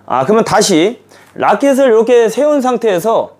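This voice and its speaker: A man with a high, lively voice gives a badminton lesson to camera. He talks casually and demonstratively, full of small fillers as he shows each move. His pitch swings widely from phrase to phrase. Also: normal speed. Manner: animated, demonstrative, many fillers like "이렇게" and "아". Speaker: badminton coach.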